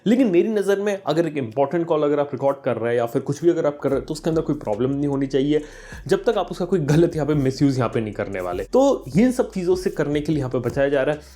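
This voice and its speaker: A man's voice: a little high, sing-song, fast, mellow. A man explaining things conversationally as a tech vlogger, addressing viewers directly and mixing in English terms. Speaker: tech YouTuber, host. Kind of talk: explainer vlog, conversational commentary.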